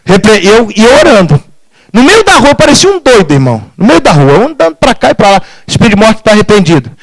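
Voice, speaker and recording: A man's voice: extremely high pitch, very animated, fairly quick, dry recording, low-quality recording. A middle-aged man, a pastor telling a dramatic testimony in a sermon and acting out the dialogue.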